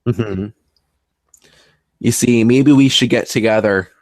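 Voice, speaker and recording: A man's voice: medium pitch, slow pace, no room sound, studio quality. A man who works as a paranormal investigator, talking in casual conversation in an earnest, rambling way.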